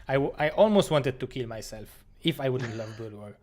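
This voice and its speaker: A man from Poland who speaks Polish natively, co-casting a strategy game in halting speech with repeated words and non-native phrasing. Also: mid-range voice, lively intonation, a little mellow. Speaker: co-caster. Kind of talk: esports commentary.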